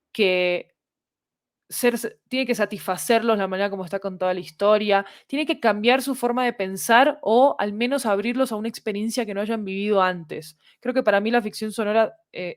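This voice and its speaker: A woman's voice: medium pitch, moderate pace, dry recording, clean studio sound. A woman, speaking as an interview guest and explaining ideas articulately, point by point. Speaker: interview guest, audio fiction creator.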